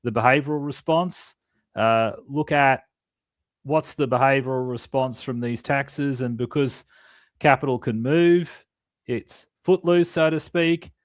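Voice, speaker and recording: Casting: calm male podcast co-host, mid-pitched, dry close recording. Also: a little slow, dry recording. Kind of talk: casual podcast chat.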